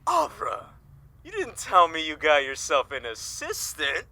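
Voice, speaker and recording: A man's voice: a little high, huge pitch swings, a little slow, sharp tone, full character voice. A man playing a jovial, folksy newspaper colleague in an audio drama, cheery and courtly in manner. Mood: delighted.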